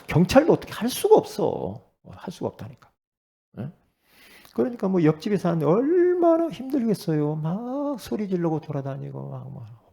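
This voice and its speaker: A middle-aged male pastor preaching a sermon in a conversational way, swinging from loud bursts to hushed asides and often asking the congregation for assent. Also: medium pitch.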